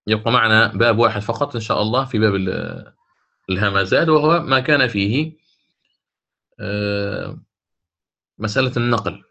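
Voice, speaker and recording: A man's voice: lowish voice, vocal fry, sharp tone. A man teaching a lesson on Quran recitation rules, explaining lines of a teaching poem. He stretches out the quoted verses and corrects himself often. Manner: slows to chant quoted verses, then explains quickly; frequent self-corrections and fillers.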